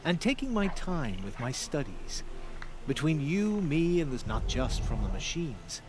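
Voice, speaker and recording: A calm, scholarly tribal shaman, speaking slowly and thoughtfully in a game scene. His pitch rises and falls with lively movement, and a steady noise sits under the game audio. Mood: reflective.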